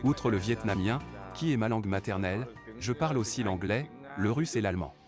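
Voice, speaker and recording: Male news dub voice, lowish, steady read over music. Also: fairly quick. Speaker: voice-over translator for interviewees.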